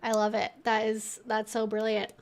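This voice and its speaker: A woman's voice: on the high side, completely flat delivery, moderate pace. A young woman hosting a livestream, chatting informally and thinking aloud in a rambling way as she answers viewers. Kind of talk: casual livestream chat.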